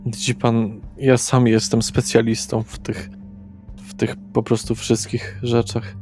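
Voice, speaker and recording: A man's voice: mid-range voice, completely flat delivery, measured pace, a little mellow, faint music behind, lightly acted. A man acting an anxious, evasive middle-aged father who speaks hesitantly while looking for his child in a tabletop game. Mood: worried, halting. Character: stressed bearded father anxiously searching for his missing daughter.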